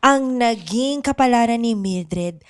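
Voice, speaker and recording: A woman's voice: a little high, slow, smooth, no room sound. A woman narrating an improvised comedy radio drama in a theatrical, suspenseful storytelling manner.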